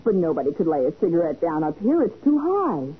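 An actress playing a curious, lightly skeptical American detective's assistant in a 1940s radio drama. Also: female voice, on the low side, a little fast, narrow, tinny audio. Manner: inquisitive, expressive, lightly skeptical. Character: curious, questioning young female detective's assistant. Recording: scratchy band-limited 1940s radio recording.

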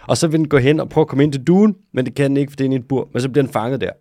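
A man's voice: medium pitch, dark tone, no room sound, clean studio sound. A man co-hosting a casual animal podcast, explaining facts in a loose, joking way with some swearing. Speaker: podcast co-host. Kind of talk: casual chat about animals.

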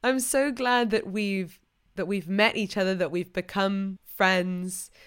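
A young woman hosts a podcast in an upbeat, gushing way, full of praise for her guest. Her voice is smooth and clear at a middle pitch. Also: fairly even intonation, slow, fairly bright tone. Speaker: podcast host. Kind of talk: casual interview chat.

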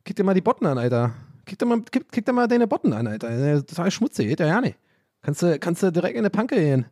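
A man's voice: high voice, very animated, fast, darkish tone, no room sound, clean studio sound. A man putting on a cocky Berlin accent, playing a brash local who ribs someone in slang. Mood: mocking. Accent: Berlin, put on. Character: brash, mocking adult male Berlin local.

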